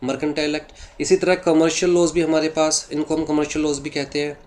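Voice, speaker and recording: A man teaching a law class in Hindi mixed with English. He speaks with an Indian English accent, reads English lines slowly, then explains them, often asking a question and answering it himself. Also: fairly high pitch, little pitch movement, a little mellow. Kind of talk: classroom lecture.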